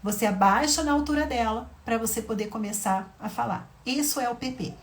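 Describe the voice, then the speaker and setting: A woman in her thirties teaching a lesson on parenting to mothers, explaining step by step with frequent checking questions and acting out gentle talks with a child. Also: on the high side, a little fast. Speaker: parenting educator.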